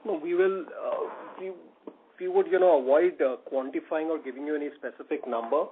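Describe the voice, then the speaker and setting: A man with an Indian accent, a company executive answering earnings-call questions in a halting, careful way. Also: a little high, fairly even intonation, a little hiss or hum. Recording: muffled tinny phone conference line.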